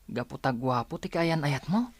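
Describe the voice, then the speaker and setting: A woman's voice: low voice, expressive, moderate pace, no room sound. A woman voicing a playful, teasing younger sister in an audio drama.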